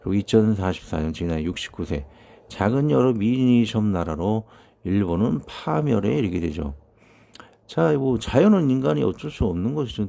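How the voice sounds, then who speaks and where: A man's voice: fairly low pitch, creaky, dark tone. A man in his fifties preaching a sermon, reading out prophecies and commenting on them in a loose, conversational way with many fillers. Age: 50s. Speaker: pastor.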